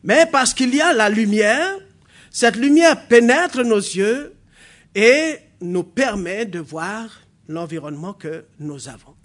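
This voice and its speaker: Preaching in a church hall, this New Caledonian man, a native speaker of a local language there, begins haltingly with fillers before rising into forceful delivery. His high voice carries lively intonation and a fairly bright tone.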